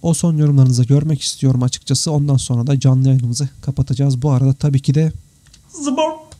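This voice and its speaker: Speaking fast in a medium-pitched, dark-toned voice with fairly even intonation, a man hosts a casual live Q&A, answering comments he reads aloud from viewers. He teaches 3D visualization and streams indoors from his computer with screen share; the audio has no room sound. He's chatty and informal, calls viewers friends, and sounds tired, his voice slightly worn after three hours.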